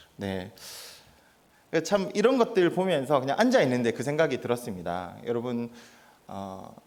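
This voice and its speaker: Very wide pitch swings in a man's medium-pitched voice, delivered at a moderate pace. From South Korea, Daegu. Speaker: pastor. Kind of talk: sermon. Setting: church.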